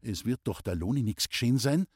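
A man's voice: medium pitch, lively intonation, brisk, darkish tone, husky, no room sound, studio quality. A man voicing an anxious young mountaineer. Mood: worried murmur. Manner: fearful, pleading murmur.

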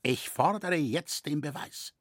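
A man's voice: mid-range voice, sing-song, unhurried, breathy edge, no echo, studio quality. A man voicing an anxious old male woodcarver who pleads with agitation. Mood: pleading. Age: older.

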